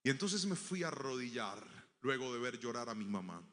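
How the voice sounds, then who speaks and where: At medium pitch with big pitch swings, a man preaches a sermon fairly quickly, telling a personal story and performing the voices of its characters before swelling into loud proclamation. The audio has a big-room sound.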